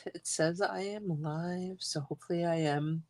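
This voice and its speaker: A congested woman with a low voice talks slowly and chattily while running a live card-making demo from her home craft room. She rambles through announcements, sounding stuffed up throughout. The recording is dry, with no room echo. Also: steady tone, darkish tone. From Guelph, Ontario, Canada. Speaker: stamping demonstrator.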